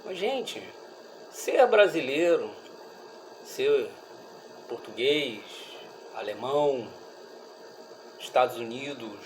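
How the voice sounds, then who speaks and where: A man with a Brazilian accent giving a religious study talk in a reflective, halting way, often checking in with listeners. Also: medium pitch, noisy background. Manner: reflective, halting, with frequent rhetorical check-ins. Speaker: speaker at a Spiritist study group.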